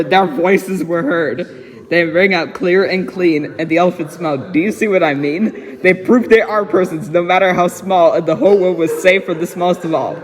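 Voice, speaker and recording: A man doing a dramatic, giggly read-aloud of a rhyming children's picture book. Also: high-pitched. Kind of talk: dramatic storybook reading with frequent giggling. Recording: echoey reverberant room sound.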